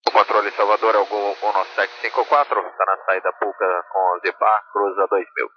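A man's voice: on the low side, little pitch movement, normal speed, husky. A man with a Brazilian accent, an airline pilot reading back air traffic instructions over the aircraft radio in a terse, clipped, procedural way. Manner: terse, procedural, number-heavy. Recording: narrow crackly radio with static.

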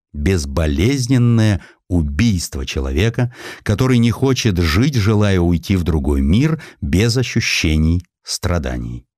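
A man reading a historical sketch as an audiobook narrator, in an expressive, dramatized storytelling manner with deliberate phrasing. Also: sits low, no room sound, clean studio sound.

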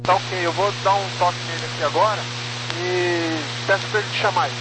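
A man, an airline pilot, talking with the tower over aviation radio in a brisk, polite, matter-of-fact way. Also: high-pitched, steady tone. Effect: heard over aviation radio. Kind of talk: air traffic radio exchange. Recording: noisy radio transmission.

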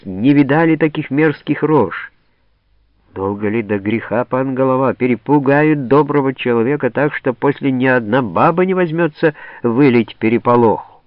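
A man's voice: mid-range voice, no echo, lo-fi sound, voice pushed up, natural voice. A man reading an audiobook voices frightened village constables pleading with their chief.

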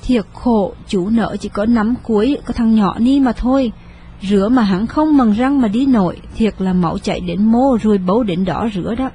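A woman's voice: on the high side, normal speed, dark tone, husky. A woman voicing a grieving old noblewoman. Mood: urgent, sorrowful. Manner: lamenting, sighing. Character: grieving elderly noble mother, commanding. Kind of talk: audio drama reading.

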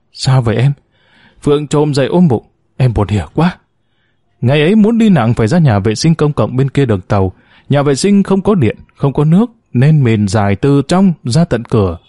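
A man narrates a short story in an expressive, well-paced reading. His pitch moves widely, which gives the telling a lively feel, and his tone is dark and mellow. The sound is dry and close-miked. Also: dry recording.

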